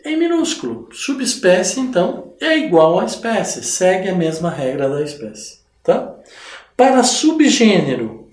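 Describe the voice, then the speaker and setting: A man from Brazil, teaching a recorded online biology lesson, explaining slowly and ending phrases with checking tags. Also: fairly high pitch, darkish tone, echoey room. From southern Brazil.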